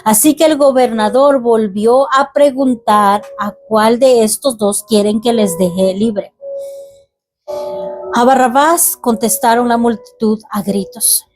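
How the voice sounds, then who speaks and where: A woman reads a scripture passage aloud, then turns to her own earnest, halting reflections on it. Her voice is fairly high and mellow, and soft music plays faintly behind her. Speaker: ministry teacher. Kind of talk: reading scripture and preaching.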